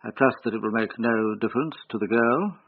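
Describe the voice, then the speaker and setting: An actor playing a stubborn older country squire who speaks in a blunt, stiff, formal way. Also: male voice, mid-range voice, quick pace, husky. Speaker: uncle of the bride. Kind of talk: radio drama acting. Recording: thin phone-like radio sound.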